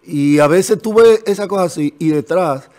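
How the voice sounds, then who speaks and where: A man's voice: high-pitched, normal speed, darkish tone. A man in his sixties with a Dominican Spanish accent, a Catholic priest speaking earnestly and in a fatherly way as a guest on a TV panel, at a desk microphone in a studio. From Dominican Republic. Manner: earnest, fatherly, gestures emphatically. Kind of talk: TV panel discussion. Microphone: desk microphone on stand.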